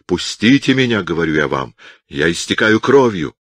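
A man's voice: low voice, big pitch swings, moderate pace, fairly bright tone, no echo, clean studio sound, exaggerated voice. Man voicing a wounded gypsy captive. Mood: desperate, shouting. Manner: pleading, crying out. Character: wounded male gypsy captive, weak then desperate.

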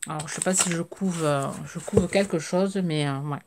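A middle-aged woman, slightly hoarse, chatting hesitantly with many fillers as she opens craft mail at home. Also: fairly low pitch, normal speed, heavy background noise. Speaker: craft vlogger. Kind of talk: casual chat while unboxing mail. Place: craft table indoors, home.

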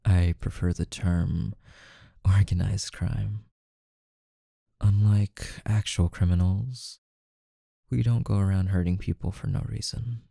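A man playing a calm, intimidating, teasing mafia boss in an ASMR roleplay, with a menacing yet softly coaxing delivery and deliberate pauses. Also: low-pitched, vocal fry, no echo, studio quality, heavily acted. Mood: calm menace.

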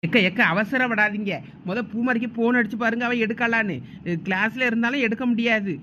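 A woman acting a bossy neighbour who firmly calms a friend in a comedy skit. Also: a little high, fairly quick, noisy background, lightly acted. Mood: scolding. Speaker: skit actor playing a neighbour.

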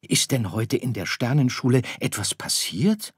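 A man voicing a caring, worried mother star who coaxes softly in an audiobook. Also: medium pitch, sing-song, measured pace, husky, no echo, clean studio sound, voice pushed up, full character voice. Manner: soft, coaxing. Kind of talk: audiobook character voice.

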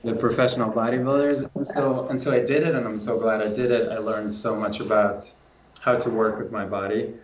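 A man's voice: mid-range voice, steady tone, a little fast. A man in his forties from Lithuania, a coach telling his story reflectively in an interview over a video call. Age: 40s. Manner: reflective, many restarts and repeats. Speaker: guest, movement and strength coach. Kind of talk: casual interview talk. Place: home room with plants and guitar, indoors. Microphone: video call, camera at a distance. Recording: roomy, dull video call audio.

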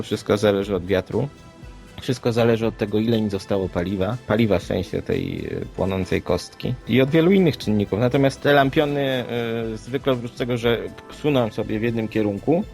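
Male podcast co-host, gravelly creak, sceptical explainer, music in the background. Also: on the low side, lively intonation, normal speed, darkish tone. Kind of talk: unscripted paranormal news discussion.

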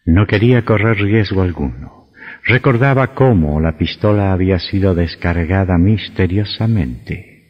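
A man narrating a radio drama in a measured, suspenseful way. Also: deep voice. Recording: dull lo-fi audio with faint music.

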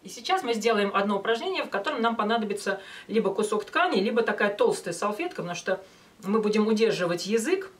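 Female voice teacher, 40s, mid-range pitch. Explanatory lesson delivery with thinking pauses, miked from a short distance. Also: expressive. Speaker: vocal coach. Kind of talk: instructional talk with short sung demonstrations. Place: small indoor studio with banner backdrop. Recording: voice some distance from mic.

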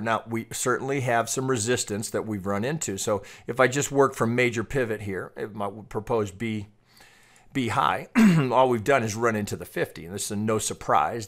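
A man giving unscripted tutorial commentary as a trading analyst, explaining step by step and often repeating and restarting his phrases. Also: lowish voice.

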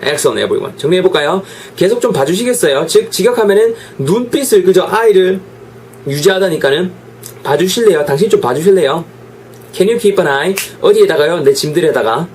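A man teaching an English lesson with a lively voice, drilling pronunciation through repeated examples. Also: high-pitched, moderate pace, slight background noise.

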